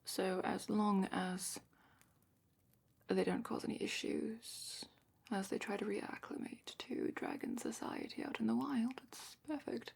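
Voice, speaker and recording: Female performer as dragon expert, ASMR roleplay. Hushed and matter-of-fact, breathy half-whisper with creaky edges, explanatory. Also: medium pitch, heavily acted. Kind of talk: soft-spoken fantasy ASMR roleplay, partly whispered.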